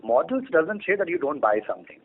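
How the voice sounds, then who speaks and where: A man's voice: a little high, sing-song, quick pace. An Indian man, a company executive, explains business decisions to analysts with an Indian accent and emphatic rhetorical questions. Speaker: company executive on an earnings call. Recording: phone-like conference call audio.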